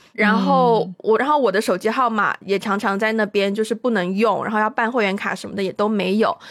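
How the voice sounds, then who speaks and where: A woman speaks at a fairly quick pace with fairly even intonation and a fairly high pitch. Noticeable background noise runs underneath. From Lanzhou, northwest China. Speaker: podcast co-host. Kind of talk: casual chat.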